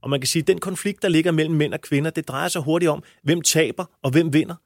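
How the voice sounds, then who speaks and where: A man's voice: fairly high pitch, no echo, studio quality. Blunt, crude-talking male coach. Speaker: men's coach. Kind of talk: interview answers.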